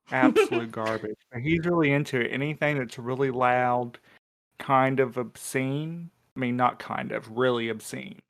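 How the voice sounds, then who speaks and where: A man's voice: mid-range voice, clear, resonant tone. A man in a podcast cast, chatting casually in a wry, joking way. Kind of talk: casual panel chat.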